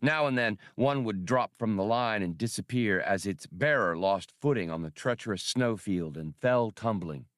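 A man reading scripted adventure fiction as an audiobook narrator, in a measured, dramatic storytelling manner. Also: fairly low pitch, lively intonation, no echo, studio quality.

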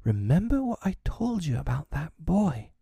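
Worried gentle mum from a storybook, done by a man, pleading, higher swoopy voice. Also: huge pitch swings, normal speed, no room sound. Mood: anxious pleading. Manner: entreating, hushed concern. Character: gentle anxious mother, pleading and tender.

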